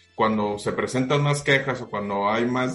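Noticeable background noise runs under a man speaking at a medium pitch with ordinary pitch variation. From Mexico, Tijuana. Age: 30s. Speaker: human rights official. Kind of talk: interview.

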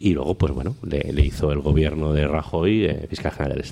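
Speaking at a fairly quick pace, a man uses vocal fry in a dark, mellow tone. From Asturias, Spain. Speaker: lawyer and podcast host. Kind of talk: casual chat.

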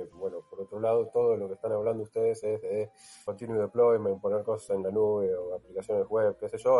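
Noticeable background noise sits behind a man talking at a fairly quick pace, with a dry, close sound and no echo. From Latin America. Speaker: IT security expert. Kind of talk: casual chat.

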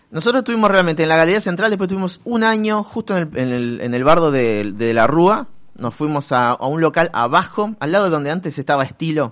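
This man speaks very fast in a Rioplatense accent, with hardly any pauses. His fairly high pitch swings very widely, and the background is quiet. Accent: Argentine Rioplatense Spanish. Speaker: shop owner. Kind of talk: radio interview.

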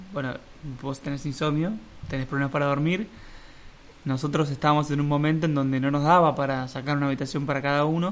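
This man speaks in a Rioplatense accent at a very fast pace, broken by long, frequent pauses. His pitch is fairly high and his intonation fairly even. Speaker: comedian and podcast host. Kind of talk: casual chat.

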